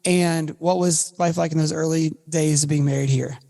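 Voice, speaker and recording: Host, mid pitch, encouraging and quick to laugh; long room reverb. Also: steady tone. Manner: warm, encouraging, laughs easily. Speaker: podcast host. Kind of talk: casual interview chat.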